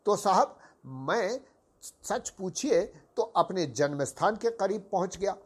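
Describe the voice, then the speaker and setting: An older man from Uttar Pradesh with a sore, hoarse throat, hosting a podcast and telling a story in a formal, courteous way, addressing his listeners as sahib. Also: sits high, animated, slow pace. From Uttar Pradesh, India. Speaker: podcast host. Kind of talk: slow reminiscing storytelling.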